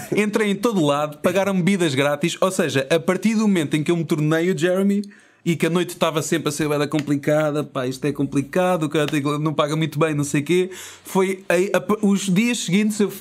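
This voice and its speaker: A man's high voice at a fairly quick pace, with ordinary pitch variation and very even loudness. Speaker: traveller telling a travel story. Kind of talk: casual storytelling chat. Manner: animated.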